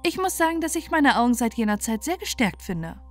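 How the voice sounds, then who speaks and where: A woman's voice: on the high side, big pitch swings, brisk, soft background music, voice pushed up. A woman voicing a sly, wicked queen in a fairy tale, insistent and persuasive. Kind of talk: storybook character voice.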